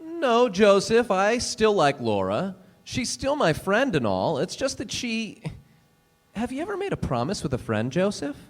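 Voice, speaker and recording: A man reading a dramatic monologue as an earnest, scolding big brother talking to his little brother, with halting delivery. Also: high-pitched, huge pitch swings, exaggerated voice. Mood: confiding, hesitant.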